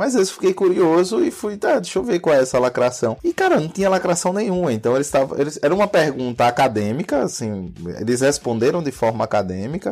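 A man talks at a fairly quick pace in a northeastern Brazilian accent, with very wide pitch swings. Music plays in the background. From Paraíba interior, Brazil. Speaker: podcast guest. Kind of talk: casual debate on politics.

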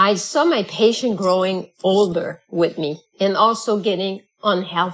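A woman speaks in a French Canadian accent. Her pace is fairly slow. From Quebec, Canada. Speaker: physician.

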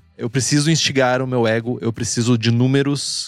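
This man has a medium pitch. He speaks in a monotone, flat intonation. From Rio Grande do Sul interior, Brazil. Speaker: podcast host. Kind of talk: casual chat.

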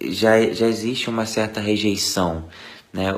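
A man talks in a monotone, with flat intonation. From Brazil, Rio de Janeiro state (Nova Friburgo). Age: 30s. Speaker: bank employee, course participant. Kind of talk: testimony. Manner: halting, many fillers.

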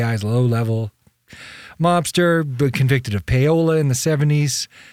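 A man with a Boston accent at a medium pitch and fairly quick pace, ordinary pitch variation, in a very clean recording with a silent background. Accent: Boston, Massachusetts. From Boston area, Massachusetts. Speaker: author and musician. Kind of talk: interview conversation.

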